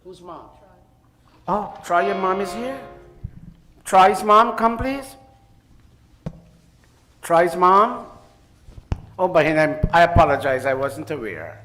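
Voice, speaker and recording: A man's voice: high-pitched, animated, slow pace, long pauses, fairly bright tone. A man leading a temple ceremony, giving the congregation live directions with joking, apologetic asides.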